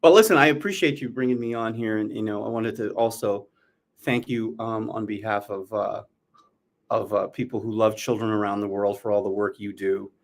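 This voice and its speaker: A man's voice: lowish voice, steady tone, normal speed, gravelly. A middle-aged man from New York, born in Jamaica, talking casually and reflectively as an interview guest. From born in Jamaica, raised in New York from age four. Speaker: interview guest, former news anchor.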